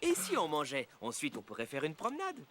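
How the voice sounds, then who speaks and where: An actor playing a patient, kindly father in a children's cartoon, with a gentle, explanatory way of talking. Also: medium pitch, wildly swooping pitch, brisk, very noisy. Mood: cheerful. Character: patient, kindly young father of a small boy.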